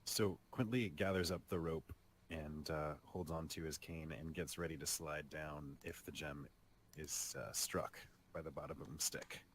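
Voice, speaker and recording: A man's voice: a bass voice, fairly even intonation, measured pace, slight background noise. A man playing in a tabletop game, speaking formally and theatrically as he narrates his character.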